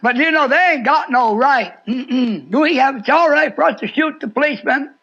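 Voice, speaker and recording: A man's voice: extremely high pitch, moderate pace, vocal fry, bright, forceful tone. A man preaching a radio sermon in a fiery, sing-song way with sudden swoops and repeated phrases. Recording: muffled shortwave radio broadcast.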